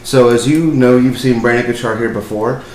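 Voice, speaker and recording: A man's voice: mid-range voice, fairly even intonation, a little fast, darkish tone. A young man hosting his own podcast, talking casually and rambling with lots of fillers and apologies. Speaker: podcast host. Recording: echoey room, faint hiss.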